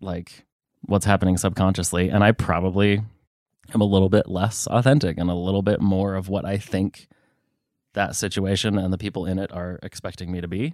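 A man with a very deep, low pitch talks fairly quickly and keeps his intonation fairly even. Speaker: podcast co-host. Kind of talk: casual chat. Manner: shifting intonation at times.

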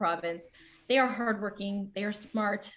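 A woman speaks in a Canadian accent at a moderate pace. Her medium-pitched voice is somewhat breathy. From Saskatchewan, Canada. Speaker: provincial politician. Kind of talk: interview.

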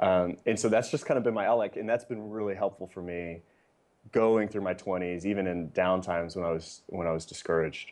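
Against a quiet background, a man with a very deep, low pitch speaks at a fairly quick pace with fairly even intonation. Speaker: business executive. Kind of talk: interview.

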